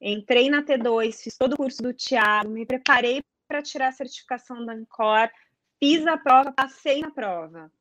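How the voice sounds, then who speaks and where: A woman's voice: fairly high pitch, normal speed, fairly bright tone, no room sound. A woman explaining a process step by step in casual chat, often checking in with "tá?" and posing questions to herself. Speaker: guest explaining investment advisor certification.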